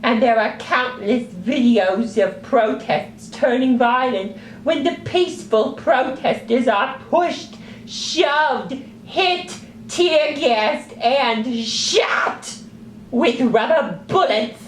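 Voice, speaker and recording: A woman voicing an indignant, earnest male sock puppet in a news parody, with emphatic, exasperated, drawn-out words. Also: fairly high pitch, roomy sound, slight background noise.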